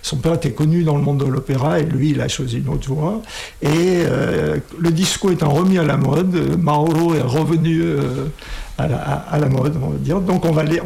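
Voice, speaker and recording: A man hosting a relaxed interview, speaking in a somewhat high, gravelly voice. He asks friendly questions and often pauses, hesitates and restarts his sentences. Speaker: host interviewing students. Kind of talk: casual radio-style interview.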